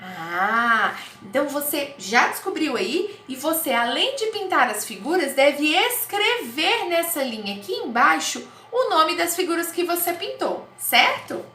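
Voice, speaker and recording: A woman with a Brazilian Portuguese accent teaching first graders in a recorded online class, talking slowly in a sing-song, exaggerated way. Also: sits high, very animated, sharp tone. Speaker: primary school teacher. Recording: echoey room, faint noise.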